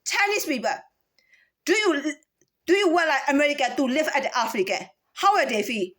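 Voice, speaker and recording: A woman from Myanmar talks to camera in a rambling monologue. Her voice sits high, and she keeps firing rhetorical questions and restarting her sentences. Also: animated, normal speed, a bit bright. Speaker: vlogger.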